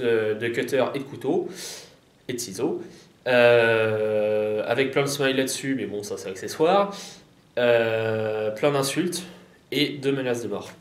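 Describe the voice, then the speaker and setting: A teenage boy giving a hesitant personal testimony, restarting his sentences often. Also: mid-range voice. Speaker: interviewee. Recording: echoey room.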